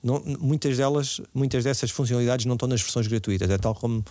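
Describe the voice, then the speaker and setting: Male interview guest, European Portuguese accent, tech executive explaining at a brisk clip, dry sound. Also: mid-range voice, darkish tone, no room sound. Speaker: podcast guest, technology executive. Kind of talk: conversational interview answers.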